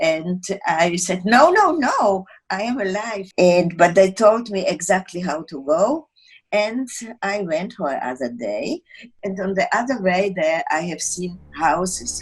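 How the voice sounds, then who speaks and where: A woman with a medium-pitched, somewhat breathy voice talks at a fairly slow pace. Her intonation is lively. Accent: Czech. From Czechoslovakia. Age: 80s+. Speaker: Holocaust survivor. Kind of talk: interview answer.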